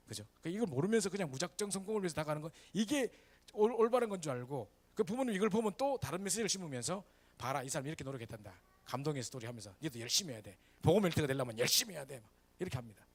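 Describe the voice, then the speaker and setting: A male pastor, preaching a sermon in a church and often checking in with the congregation. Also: a little high. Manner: lively, animated preaching with frequent "그죠?" asides to the congregation. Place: church sanctuary.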